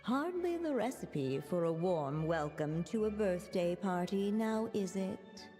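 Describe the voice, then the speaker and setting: A woman narrating a fairy-tale story in a game in a calm, measured voice. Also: mid-range voice, soft background music, lightly acted. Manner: slow, measured. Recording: long hall reverb.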